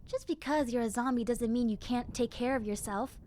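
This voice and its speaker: A woman plays a friendly young zombie girl with a highish, girlish voice. She chats casually and directly to the listener, like a lonely survivor glad of company in an audio roleplay. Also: fairly quick, dark tone, a little hiss or hum, close to an everyday voice. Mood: cheerful, fussy. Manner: casual, chatty, conversational, girlish.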